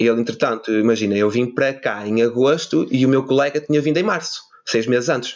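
A man has an unremarkable speaking voice at medium pitch with ordinary pitch variation. He talks at a fairly quick pace. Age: 40s. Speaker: podcast guest. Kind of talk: casual chat.

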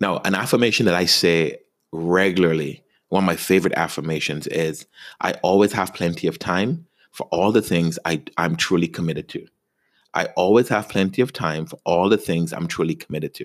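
On a very clean recording with a silent background, a man with a very deep, low voice talks at a fairly quick pace with ordinary pitch variation. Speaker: podcast host. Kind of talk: motivational monologue. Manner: repeats and stumbles on words.

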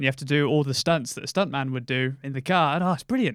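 A man with a British accent and a fairly high pitch, on a very clean recording with a silent background. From UK. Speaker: podcast host. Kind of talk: casual chat.

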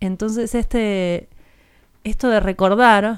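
With an ordinary speaking voice, a woman talks at a medium pitch with fairly even intonation. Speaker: human rights activist and artist, daughter of a dictatorship survivor. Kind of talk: interview.

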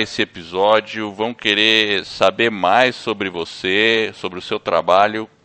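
A man's fairly low-pitched, fairly slow delivery in an ordinary speaking voice. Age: 50s. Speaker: podcast host. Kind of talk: casual interview.

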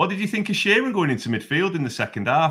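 A man talks at a very fast pace with vocal fry. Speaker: football phone-in host. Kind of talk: casual football phone-in chat. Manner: jokey, banter.

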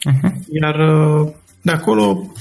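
Noticeable background noise runs throughout. Over it, a man talks fairly slowly. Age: 40s. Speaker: digital agency founder. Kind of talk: interview.

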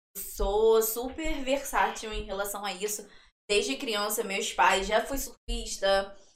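A woman speaks at a very slow pace in a fairly high pitch. Audible room echo surrounds her voice. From Brazil, Niterói. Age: 20s. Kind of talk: casual interview chat. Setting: studio.

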